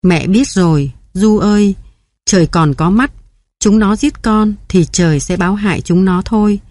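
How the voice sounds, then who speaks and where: A woman's voice: medium pitch, expressive, moderate pace, a little mellow, no room sound, lightly acted. Old mother in grief, wailing and bewildered, read by a woman, storybook, dry close sound. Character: grieving old mother at her son's grave.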